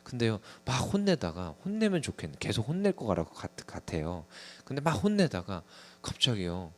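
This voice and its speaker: Low-voiced young man preaching. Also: moderate pace. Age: young adult. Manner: conversational, lively sermon with acted asides to the congregation. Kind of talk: sermon. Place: small church with congregation.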